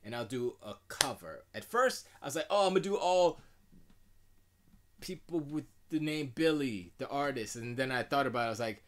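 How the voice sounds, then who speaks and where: Deep-voiced man rambling casually. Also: expressive, normal speed, fairly bright tone, a little hiss or hum. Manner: rambling, self-deprecating, with restarts and asides. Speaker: music producer streaming live. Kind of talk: casual live-stream chat. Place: home music studio.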